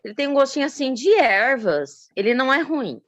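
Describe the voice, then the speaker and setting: A woman guest chatting casually about her experience, animated and talkative. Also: sits high, brisk, no room sound. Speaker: guest giving testimonial. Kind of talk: casual chat.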